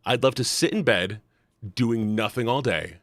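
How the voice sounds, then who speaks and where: A man's voice: mid-range voice, animated, normal speed, fairly bright tone, dry recording, studio quality. A man talking casually on a livestream, rambling earnestly and bluntly and repeating himself for emphasis. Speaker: live streamer.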